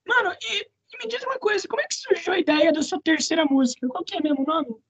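A young woman in her twenties asks questions in a loose, slangy way. Her voice is high and she talks very fast. The recording sounds dull and lo-fi. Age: 20s. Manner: slangy, informal. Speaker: interviewer. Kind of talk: casual interview chat.

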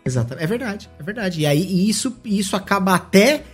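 A man with a Brazilian accent, co-hosting a podcast in an animated, joking, self-deprecating way. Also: sits high, fairly quick, breathy edge, faint music behind. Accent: Brazilian Portuguese. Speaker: podcast co-host. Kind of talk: casual chat about tabletop games.

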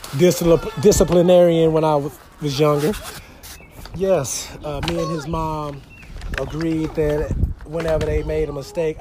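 A man in his thirties, a father and podcast host, venting in a rambling, earnest way and talking straight to his listeners. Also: on the high side. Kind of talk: casual venting monologue. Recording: noisy background.

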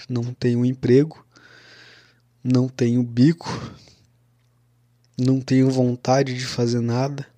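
A man's voice: mid-range voice, a little mellow, no echo. A young man tells a personal story in a casual, confessional way. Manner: casual, confessional, with frequent "cara" and "né".

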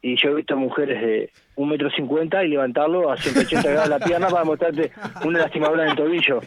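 A man's voice: fairly high pitch, fast talker, a crowd in the background. A man calling in to a radio show over a patchy, choppy phone connection, telling wry anecdotes about his job in a casual, chatty way. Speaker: radio caller, bank teller. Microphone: telephone. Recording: dull lo-fi phone line, dry.

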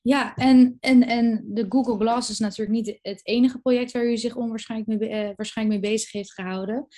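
A woman's voice: on the high side, steady tone, a little fast, mellow. A woman interviewer asking formal, somewhat hesitant questions.

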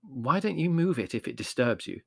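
A man voicing a mild, fussy middle-aged mother who talks gently. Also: mid-range voice, big pitch swings, moderate pace, creaky, slightly rough, dry recording, studio quality, full character voice. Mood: placid. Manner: gentle, placid, mildly indignant.

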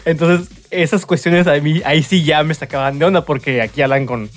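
A man's voice: a little high, fairly quick, faint music behind. Tabasco-accented man, casual laughing chat. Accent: Tabasco Mexican Spanish. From Tabasco, Mexico. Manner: laughs often, animated storytelling.

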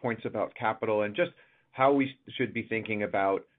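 A man, an analyst on an earnings call, putting a business question in a halting, roundabout way. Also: lowish voice. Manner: halting, circling phrasing. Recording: narrow phone-line call.

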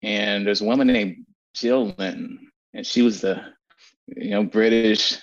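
A man being interviewed as an agency strategist, telling stories in a blunt, animated way with lots of swearing and repeated words. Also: lowish voice, unhurried, creaky, muffled recording. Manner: animated storytelling, frequent profanity and repetitions. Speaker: guest, agency founder and strategist. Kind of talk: casual podcast interview.

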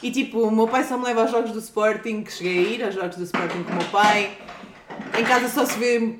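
A woman's voice: fairly high pitch, fairly quick, background noise. A woman with a European Portuguese accent talking casually and informally about herself, in a self-deprecating way. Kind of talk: casual chat. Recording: loud kitchen clatter, echoey room.

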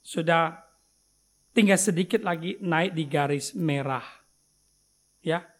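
High-voiced man preaching a conversational sermon. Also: slow. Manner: conversational, asks rhetorical questions and answers them; addresses the congregation directly. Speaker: pastor. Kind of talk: sermon with personal stories.

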